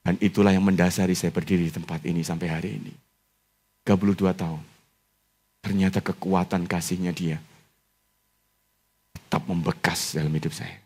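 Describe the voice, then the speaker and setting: A middle-aged man from Indonesia preaching a sermon as pastor, telling his own story in a conversational way, dropping to low murmurs and then rising to high, shouted climaxes. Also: flat delivery, moderate pace, pauses often, slightly rough. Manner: personal testimony told in a conversational tone.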